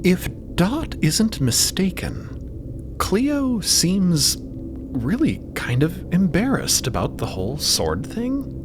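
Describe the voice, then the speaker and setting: A woman's voice: fairly low pitch, huge pitch swings, slow pace, background noise. A woman narrating a scripted audio drama in a dramatic storytelling style. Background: music.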